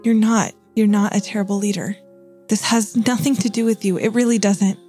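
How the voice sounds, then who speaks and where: A woman's voice: medium pitch, steady tone, normal speed, warm tone, faint music behind. A woman player speaking in character, earnest and emotional. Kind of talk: in-character role-play.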